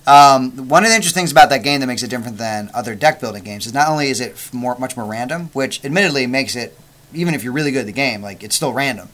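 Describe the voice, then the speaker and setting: A man's voice: mid-range voice, expressive, fairly bright tone. A man co-hosting a casual board game chat, joking and teasing his partner. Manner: joking, quick to tease. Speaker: podcast co-host.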